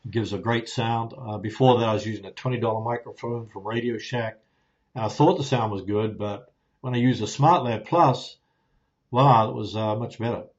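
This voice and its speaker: A man's voice: on the low side, normal speed, highs cut off. Kiwi man rambling through viewer questions. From New Zealand. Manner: relaxed, rambling, many fillers and restarts. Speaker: YouTuber answering viewer questions. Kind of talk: casual live Q&A. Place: home studio with ring light, softboxes and plants. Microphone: phone with clip-on lapel mic.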